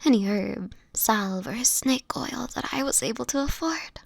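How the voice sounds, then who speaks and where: A woman playing a slow, breathy, sickly vampire woman. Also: fairly high pitch, no echo, studio quality. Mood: despairing, ashamed. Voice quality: breathy, often dropping to a whisper. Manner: halting, pleading, fragile. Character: sickly homeless female vampire, anguished, guilt-ridden, protective. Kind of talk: dramatic audio roleplay monologue.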